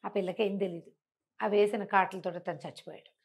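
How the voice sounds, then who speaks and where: A woman telling a folk tale in a conversational, expressive storyteller's way, repeating phrases for emphasis. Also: medium pitch, a little fast, slightly rough.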